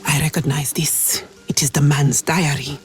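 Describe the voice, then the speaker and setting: Game role: male actor as solemn mercenary, hushed and formal, measured delivery, light music bed. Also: on the high side, flat delivery, natural voice. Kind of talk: video game character acting.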